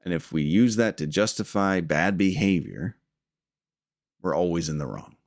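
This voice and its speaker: A man giving an earnest, reflective spiritual teaching in an informal way, pausing often with fillers. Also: deep voice, expressive, no echo, clean studio sound.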